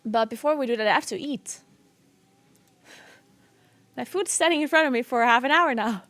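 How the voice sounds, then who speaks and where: A woman's voice: high voice, normal speed, a bit bright, no room sound. A woman from South Tyrol with a South Tyrolean accent in her English, chatting casually and in a giggly way as a livestreamer. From South Tyrol, Italy. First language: not English. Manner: giggly, laughs often while talking. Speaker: game streamer and esports caster.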